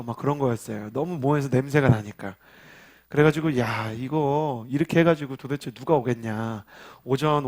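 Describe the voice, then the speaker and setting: A youth pastor in his thirties preaches to a church gathering, his voice pitched in the ordinary middle range for a man. He talks in a chatty, storytelling way, drawing the congregation in with call-and-response. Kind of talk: sermon. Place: church worship service.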